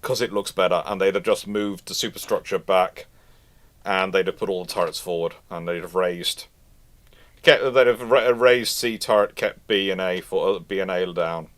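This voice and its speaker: Low-voiced yet a bit bright, a British man at a moderate pace hosts a live question-and-answer stream. The UK-based speaker delivers discursive, opinionated expert commentary in a casual way, with repeated points.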